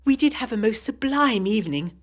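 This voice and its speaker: A woman playing a genteel, lively 1920s Englishwoman with an English accent, reading her letters aloud in a prim, articulate way for an audio drama. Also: a little high, fairly quick. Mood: chatty, delighted. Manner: prim, articulate, period turns of phrase.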